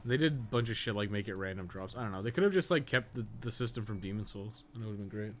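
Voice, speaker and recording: This livestreamer and podcast co-host has a lowish voice and talks fast and animatedly. His gaming-stream commentary is loose and rambling, peppered with slang and frequent curses, while noticeable noise hums in the background.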